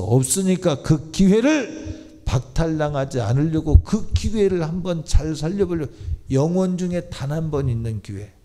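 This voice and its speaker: In the church sanctuary, a Korean pastor delivers a forceful sermon in a warm voice on the high side. He often drops into plain, informal talk when speaking to the congregation.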